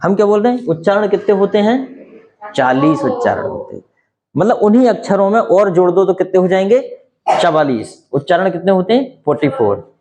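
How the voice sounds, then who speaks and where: A Hindi-speaking man teaches a spoken English lesson, explaining slowly and asking lots of rhetorical questions. His voice is high-pitched and expressive, with a noisy background behind it.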